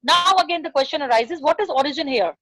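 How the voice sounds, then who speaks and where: South asian lady teacher, high pitched, dry sound, explains a poem and keeps repeating stuff. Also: quick pace, fairly bright tone, no echo. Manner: repeats phrases and questions for emphasis. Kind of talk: classroom lesson explaining a poem line by line.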